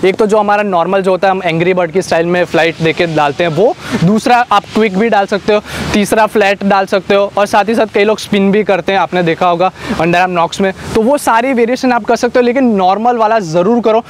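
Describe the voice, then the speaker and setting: A man's voice: high-pitched, quick pace, a little hiss or hum. Chatty young man coaching cricket. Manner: chatty, addresses viewers directly. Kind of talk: casual coaching explanation. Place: outdoor cricket practice nets.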